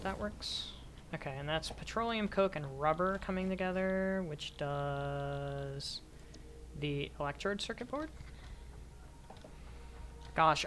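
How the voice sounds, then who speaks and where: A hoarse young woman streaming a game, rambling casually and talking to herself as she plays. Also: on the low side. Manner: rambling, talks to herself while playing. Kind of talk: casual gameplay commentary.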